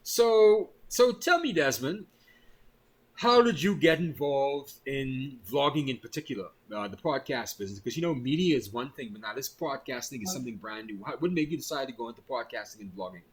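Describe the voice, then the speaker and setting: A man's voice: medium pitch, expressive, brisk, slightly rough. A man hosting a casual online interview, chatty and friendly, often tossing in the word "man" while he asks his questions. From Bahamas. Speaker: host.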